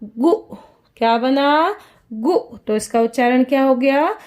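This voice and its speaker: A woman teaching a lesson to young children, repeating each question and answer slowly. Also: sits high.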